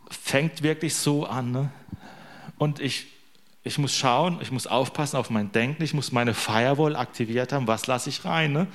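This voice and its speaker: Chatty, joking male preacher. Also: mid-range voice. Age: young adult to middle-aged, a father. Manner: chatty, joking, constant tag questions. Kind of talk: informal sermon.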